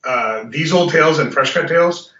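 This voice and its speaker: A man's voice: fairly high pitch, moderate pace, bright, forceful tone. A man being interviewed as a guest author, chatting with stumbling restarts. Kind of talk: casual interview. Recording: roomy, distant, lo-fi audio.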